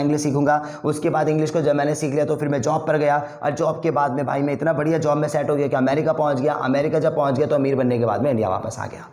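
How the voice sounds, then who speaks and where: A man teaching spoken English, running rapid drills that switch between Hindi and English and clearing his throat now and then. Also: fairly high pitch, darkish tone. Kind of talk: classroom speaking drill. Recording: echoey room.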